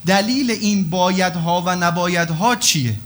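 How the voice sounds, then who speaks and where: A male cleric gives an animated sermon in a high voice. He acts out back-and-forth exchanges with God and answers rhetorical questions one by one.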